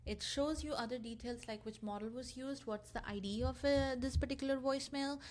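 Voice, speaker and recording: A woman with a somewhat high voice walks through a software demo as a tutorial presenter. Her delivery is informal and explanatory, sounding loosely scripted, in the manner of a casual screencast. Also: fairly quick.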